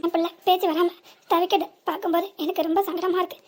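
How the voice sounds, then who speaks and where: A very high, piping voice gives us a tender older village mother, as a woman voices her in a cartoon comedy. She speaks with a southern Tamil Nadu accent and keeps pleading and blaming herself. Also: flat delivery, fast talker. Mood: pleading, remorseful. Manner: pleading, self-reproaching.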